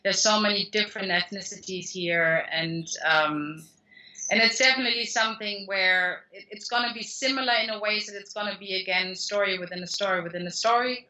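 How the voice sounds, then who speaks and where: A woman's voice: mid-range voice, bright, forceful tone, lo-fi sound. A woman with a German accent, a guest author talking through her career in a rambling way, with many restarts and fillers. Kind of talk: conversational interview answers.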